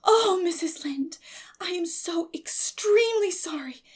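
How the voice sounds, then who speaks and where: An earnest young girl from a storybook, played by a woman, pitched up high. She is imaginative and wordy, with a theatrical way of putting every feeling. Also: animated, unhurried. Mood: pleading.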